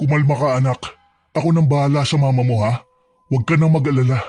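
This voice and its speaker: A man puts on a character voice at a fairly high pitch, talking very fast with fairly even intonation over music in the background. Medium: read story.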